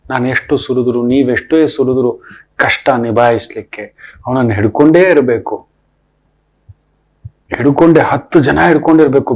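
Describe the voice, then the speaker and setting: A man's voice: medium pitch, a little mellow, breathy edge. A middle-aged man, an astrologer, telling anecdotes in a spoken discourse, emphatic and given to repeating his refrains.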